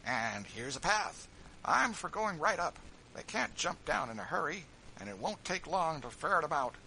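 A man reading an audiobook, voicing a coarse, bullying male slave catcher with loud, rough rustic speech. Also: on the high side, big pitch swings, moderate pace, slight background noise, voice pushed up, heavily acted, low-quality recording.

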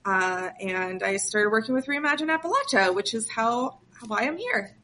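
A woman's voice: on the high side, big pitch swings, normal speed, pushed and bright, a little hiss or hum. A woman from Western Pennsylvania, a project director, talking in an interview in a chatty way with lots of ums and light self-mocking humor. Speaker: guest, nonprofit project director. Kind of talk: interview conversation.

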